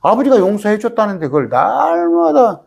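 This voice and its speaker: A man's voice: high-pitched, wildly swooping pitch, normal speed, vocal fry. A male pastor with a Jeolla accent, preaching an emphatic, folksy Bible study sermon full of rhetorical questions. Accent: Jeolla Korean.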